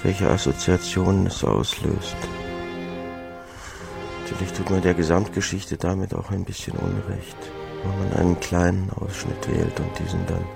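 Low, creaky man musing in short phrases. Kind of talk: reflective personal monologue in a radio piece.

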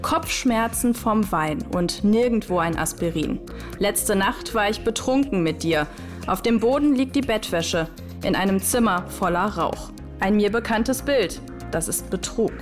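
A woman's voice: medium pitch, expressive, measured pace, lightly acted. Woman reciting lyrics over music acted. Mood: recited. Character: female translator reciting song lyrics in German.

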